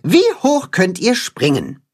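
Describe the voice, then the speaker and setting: A woman voicing a clever cat-hen who hands out orders to farm animals in a storybook reading, in a brisk, commanding way. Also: medium pitch, wildly swooping pitch, a little mellow, breathy edge, voice pushed up, heavily acted.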